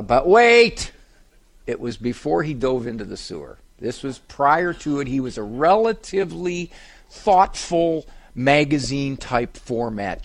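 Older male talk show host, gravelly, lively delivery, wry jokes at his own expense. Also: mid-range voice. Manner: animated, self-deprecating joking. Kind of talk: live talk show, humorous storytelling. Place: live event on a cruise ship.

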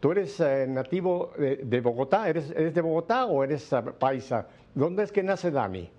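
A man's voice: fairly high pitch, expressive, normal speed, a little mellow, muffled recording. A man hosting an interview, asking long rambling questions. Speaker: interview host.

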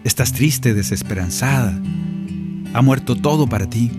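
A man's voice: medium pitch, normal speed, over loud music. A man hosting a Catholic prayer and reflection show, preaching in a colloquial way and repeating his phrases. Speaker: Catholic singer-songwriter host. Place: home recording studio.

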